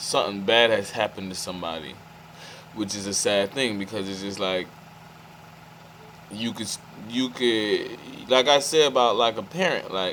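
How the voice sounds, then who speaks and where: Pausing long and often, a man with a Caribbean accent speaks with ordinary pitch variation over noticeable background noise. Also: fairly low pitch for a man, moderate pace. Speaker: spiritual vlogger. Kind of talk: casual monologue. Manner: rambling, halting.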